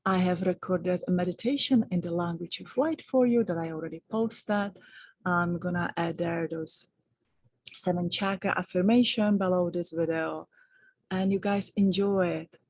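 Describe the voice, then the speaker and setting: A middle-aged woman talks gently and affectionately, offering spiritual guidance to her viewers. Her voice sits a little low and has a soft, breathy edge. The sound is dry and close, with no room around it. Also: normal speed, no echo. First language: Czech. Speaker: spiritual teacher and author.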